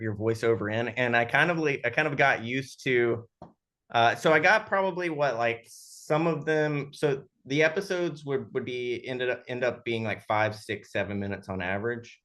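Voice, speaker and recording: A man speaking casually and haltingly as a sound designer in an interview, thinking aloud as he explains. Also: mid-range voice, a bit bright.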